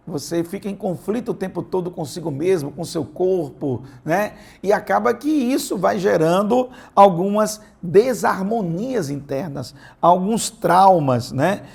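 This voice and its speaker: Gravelly-voiced pastor preaching. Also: male voice, sits high, darkish tone. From Brazil. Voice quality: gravelly, husky. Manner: conversational preaching with personal anecdotes, playful. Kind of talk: sermon. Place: church.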